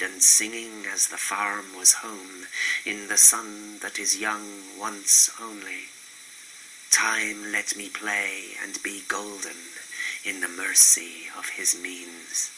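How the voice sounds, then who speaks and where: Sharp-edged man reciting poetry slowly. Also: on the low side, low-quality recording. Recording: faint hiss and background noise.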